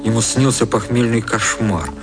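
A man narrating a satirical literary radio play in a measured, composed way. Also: medium pitch, natural voice. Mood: composed, ironic. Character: composed male storyteller of a satirical novel. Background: loud music.

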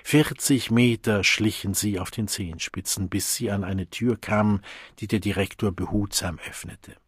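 Rauchiger Hörbuch-Erzähler. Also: male voice, fairly low pitch, dry recording, clean studio sound. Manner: measured, clear reading. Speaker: narrator. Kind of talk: audiobook narration.

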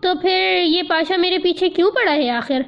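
A woman's voice: very high-pitched, vocal fry. A woman voicing a headstrong young wife. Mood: insistent. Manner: pointed, insistent. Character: headstrong young married woman, sharp and stubborn. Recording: dull lo-fi audio.

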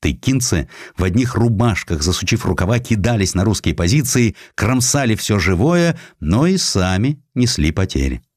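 A man reading a historical essay as an audiobook narrator, in an expressive, measured literary manner with distinct pauses. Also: on the low side, no echo, clean studio sound.

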